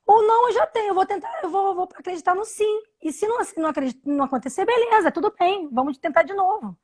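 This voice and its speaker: High-voiced woman in her thirties. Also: expressive, darkish tone. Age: 30s. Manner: halting, many restarts and repeated words. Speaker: interview guest. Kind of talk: personal story on a live video call. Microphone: video call from home.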